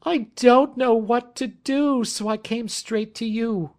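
A frightened woman pleads in a high, strained voice that rises well above the reader's own, as a male narrator puts her on. She sounds tearful and urgent. The tone is louder and more forceful than the steady narration, like a storybook reading. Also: takes it slowly, full character voice. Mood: distressed. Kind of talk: audiobook character voice.

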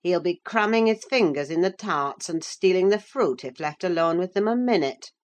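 A woman reading an audiobook, voicing an angry, bullying young man who shouts scornful threats. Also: lowish voice, lively intonation, normal speed, lightly acted.

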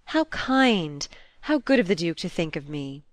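A woman's voice: fairly low pitch, sing-song, measured pace, no room sound. A woman voicing a sensitive young countess with a wistful, emotional manner. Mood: delighted.

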